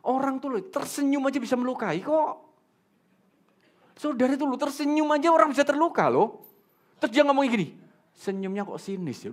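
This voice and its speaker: A man preaching in a church with a fairly high, highly animated voice that swings up and down. He asks the congregation questions and drops jokes as he goes. He talks to the room in a lively sermon style. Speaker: pastor.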